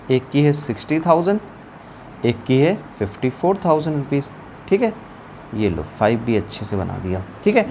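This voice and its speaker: A man's voice: mid-range voice, a little mellow, a little hiss or hum. A man teaching an online accountancy class, working sums aloud while writing and teasing his students. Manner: chatty, teasing, calls students beta.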